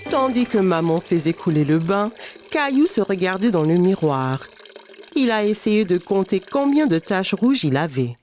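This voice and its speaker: In a children's cartoon, a woman plays a gentle, sympathetic narrator, delivering scripted story lines with clear, expressive phrasing and light acting. Her voice is medium-pitched at a moderate pace, with faint music underneath.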